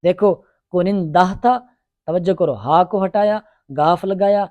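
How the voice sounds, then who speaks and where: Man, teacher, classroom grammar lesson, quick drill questions, slightly high voice, dry close sound. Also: no room sound, phone-quality sound.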